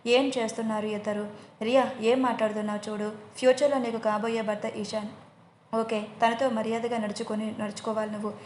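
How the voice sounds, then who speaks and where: A man's voice: high-pitched, little pitch movement, a little fast, a little mellow, roomy sound, slight background noise, lightly acted. A woman voicing a stern, bossy middle-aged father who scolds his daughter, in an audio story.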